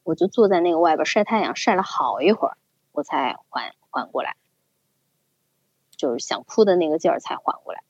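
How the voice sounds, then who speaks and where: A young woman casually telling a story as a podcast co-host, with an animated, chatty manner. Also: low-pitched, fairly quick, husky, no echo. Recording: slightly dull, dry recording.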